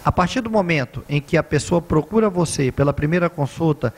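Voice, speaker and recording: A man's voice: a little high, animated, fairly quick. A Brazilian man co-hosting a TV talk show, asking questions and reading community notices in a conversational way. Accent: Brazilian Portuguese. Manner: conversational, reads notices aloud. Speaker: TV co-host and doctor.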